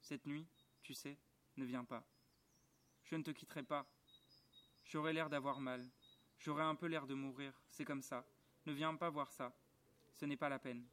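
A man reading aloud and speaking the lines of a gentle, earnest little boy prince in a soft, quiet voice close to his own, outdoors in a garden. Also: medium pitch, steady tone, moderate pace, long pauses, natural voice. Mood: tender, sad.

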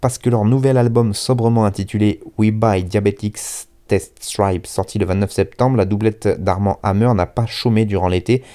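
A man hosting a hip-hop radio show, with a lowish voice and a mellow, soft tone. His manner is casual and self-mocking, and he trips over his words now and then. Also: fairly even intonation, normal speed, hardly any pauses. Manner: reads a review aloud. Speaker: radio host.

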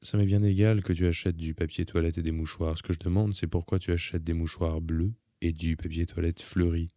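A man's voice: low voice, flat delivery, a little fast, dark tone, no echo, clean studio sound, lightly acted. A man reading the lines of a weary, irritable young wife, curt and reproachful. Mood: irritated.

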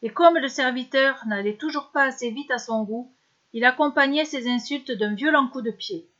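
A woman narrating a serialized story in a steady, measured way. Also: high-pitched, muffled recording.

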